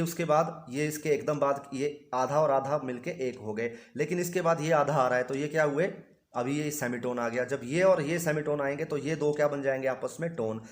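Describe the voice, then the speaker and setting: Man teaching a music lesson in Hindi. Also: medium pitch. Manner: patient, asks and answers his own questions.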